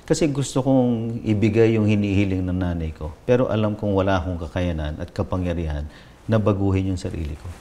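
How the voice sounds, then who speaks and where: A man's voice: low voice, fairly quick, dark tone, slight background noise. A man, a pastor telling his personal testimony in a reflective way, switching between Tagalog and English. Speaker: pastor, interview guest.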